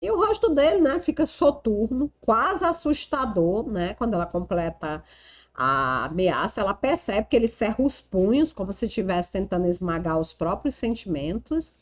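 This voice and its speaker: A woman's voice: mid-range voice, expressive, normal speed. Chatty Brazilian woman retelling a novel. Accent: Brazilian Portuguese. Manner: chatty, tag questions, restarts. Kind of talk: casual storytelling.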